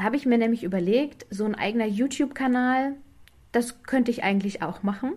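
This is a plain, everyday voice at a fairly quick pace with ordinary pitch variation. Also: woman, fairly high pitch for a woman. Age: 30s. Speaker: life coach for mothers. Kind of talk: interview.

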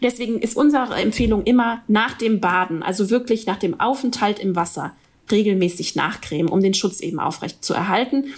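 A woman with a normal speaking voice talks fairly quickly at a fairly high pitch. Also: ordinary pitch variation. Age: 30s. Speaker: physician and children's skincare founder. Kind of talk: podcast interview.

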